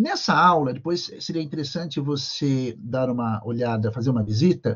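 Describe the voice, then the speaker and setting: A man with a plain, everyday voice, lively intonation, and a fairly slow pace. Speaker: university professor. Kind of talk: online lecture. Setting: video conference class.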